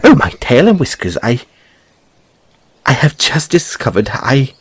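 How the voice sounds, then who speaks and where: Give the listener a curious white rabbit boy from a fantasy roleplay. The pitch leaps and dips wildly from phrase to phrase. The voice is husky and breathy, with fussy, theatrical musing and quaint little questions. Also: big pitch swings, a little slow, no echo. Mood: flustered, astonished.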